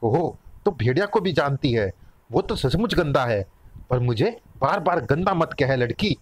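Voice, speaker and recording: A man voicing a gruff, hot-tempered man of the wolf clan who bosses and threatens. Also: on the high side, lively intonation, unhurried, no room sound. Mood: irritated.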